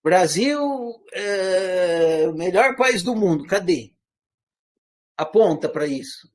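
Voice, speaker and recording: A male teacher with a fairly high voice gives an informal spoken lecture at a slow pace, in a Brazilian Portuguese accent that blends Minas Gerais with rural caipira. He talks loosely and conversationally, repeatedly questioning his listeners, and his pitch and loudness swing widely as he makes his points.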